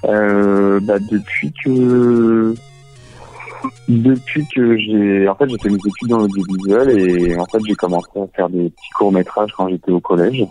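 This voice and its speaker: A man's voice: lowish voice, steady tone, unhurried, warm tone. A man with an accent from France, a guest in a casual phone interview, talking hesitantly as he searches for words. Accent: French from France. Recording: dull band-limited phone line, faint music. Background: faint music.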